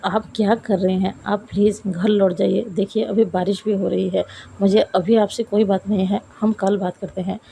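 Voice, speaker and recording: An irritated young woman, voiced by a female storyteller who snaps back in a low, gravelly, mellow tone. Faint background hiss sits under the voice. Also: steady tone, normal speed, natural voice. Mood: exasperated. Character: young woman, upset, sharp-tongued employee.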